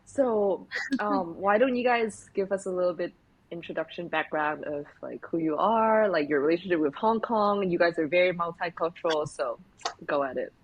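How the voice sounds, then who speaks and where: A woman's voice: lowish voice, moderate pace, lo-fi sound. Giggly woman hosting a chat. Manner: chatty and giggly, many fillers. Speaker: podcast host. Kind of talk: casual interview chat.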